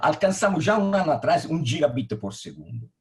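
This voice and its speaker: A man's voice: fairly high pitch, big pitch swings, fairly quick. A man with an Italian accent, a telecom engineering director answering interview questions over a video call, often repeating words and restarting as he explains. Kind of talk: interview answers on a live stream.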